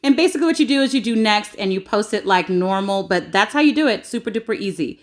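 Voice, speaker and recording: A woman's voice: medium pitch, lively intonation, quick pace. A woman giving a casual social media tutorial in a playful, chatty, informal way.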